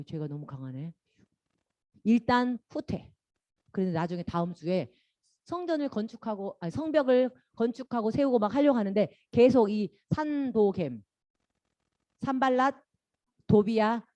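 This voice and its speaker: Children's preacher, woman, animated and very expressive, leads the repeat-after-me. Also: fairly high pitch, dry recording. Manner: acts out the story characters. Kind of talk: children's sermon.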